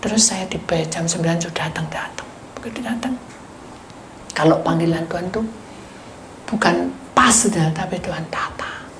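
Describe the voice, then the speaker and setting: A woman pastor preaching and telling stories, animated, dropping into whispered asides while addressing the congregation. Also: fairly low pitch, normal speed, gravelly, pauses often. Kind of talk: sermon with storytelling. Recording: roomy hall echo, faint noise.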